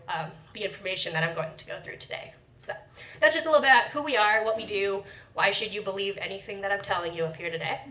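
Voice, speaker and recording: Bright-voiced woman in an echoey lecture room. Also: mid-range voice. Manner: animated and energetic, moves around while speaking. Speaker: bee researcher giving a talk. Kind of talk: lively public lecture to a live audience. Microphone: handheld or stand mic, sometimes away from it.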